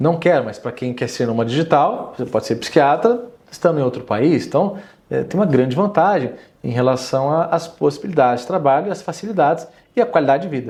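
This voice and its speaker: A man talks at a fairly quick pace, his voice fairly high and somewhat breathy, with lively intonation. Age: 40s. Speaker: psychiatrist. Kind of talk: career talk to camera. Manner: conversational with hesitations.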